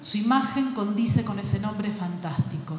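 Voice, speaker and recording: A woman's voice: mid-range voice, darkish tone. Woman reading an essay in a hall. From Argentina. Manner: measured, literary delivery with deliberate pauses. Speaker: panelist, actress and playwright. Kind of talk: reading a prepared essay aloud. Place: large hall at a panel event. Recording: very echoey hall, faint background noise.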